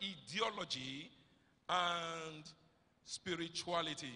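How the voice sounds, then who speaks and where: A raised, projected voice carries a bright, sharp tone. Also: man. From Nigeria. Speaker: professor giving inaugural lecture. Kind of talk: lecture. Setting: stage with audience. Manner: formal. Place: hall. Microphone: handheld.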